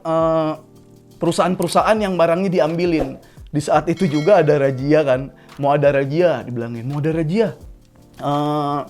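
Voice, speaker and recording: A man, telling stories from his life in a casual, slangy stand-up monologue, his pitch jumping up at the punchlines. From Jakarta, Indonesia. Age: 20s. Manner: casual slangy storytelling with animated pitch jumps. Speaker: stand-up comedian. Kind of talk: comic monologue storytelling. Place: studio.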